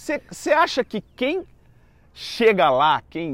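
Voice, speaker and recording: An animated tone comes through on a very clean recording with a silent background and a dry, close sound with no echo. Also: man. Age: 40s. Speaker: interviewer. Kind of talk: casual chat. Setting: outdoors.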